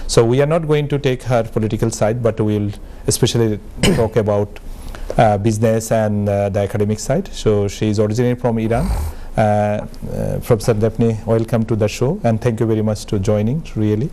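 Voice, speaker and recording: A man hosting a studio talk show in English with a Bangladeshi accent, speaking haltingly with many fillers and restarts. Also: fairly low pitch, steady tone, dark tone. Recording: faint background noise.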